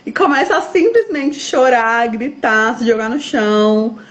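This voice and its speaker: A woman's voice: on the high side, expressive, measured pace. A Brazilian woman, a guest specialist, explaining step by step and acting out what parents and children say. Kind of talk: explanatory interview talk.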